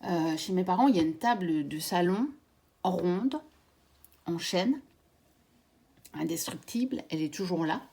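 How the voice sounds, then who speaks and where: Slow, breathy Belgian-born woman. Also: fairly low pitch, animated. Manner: gentle, measured, pauses with fillers. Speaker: tarot and oracle card channel host. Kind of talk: casual card deck presentation.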